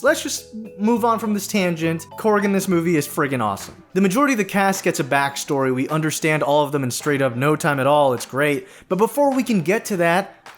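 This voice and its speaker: Male host, lively pitch, casual profane recap comedy, faint music underneath. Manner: animated, profane, jokey. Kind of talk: comedic movie recap commentary.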